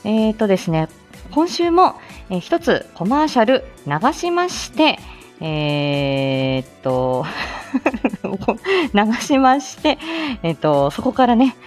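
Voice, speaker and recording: A woman's voice: mid-range voice, sing-song, slow, a little mellow, faint music behind. Flustered, chatty woman live-streaming. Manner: flustered, chatty, many fillers and small laughs. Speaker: speech therapist and live-stream host. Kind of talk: casual solo live stream.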